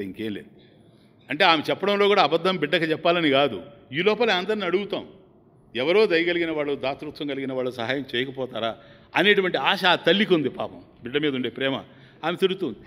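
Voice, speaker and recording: A man's voice: a little high, fairly bright tone. A man giving a religious discourse as a swami, telling an emotive story and turning often to his listeners, heard in a long hall reverb. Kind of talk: sermon storytelling.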